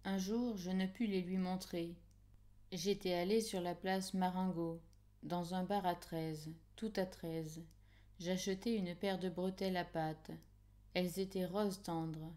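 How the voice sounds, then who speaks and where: A woman's voice: fairly low pitch, steady tone, unhurried, warm tone. A woman reading a literary audiobook as a scripted first-person narration.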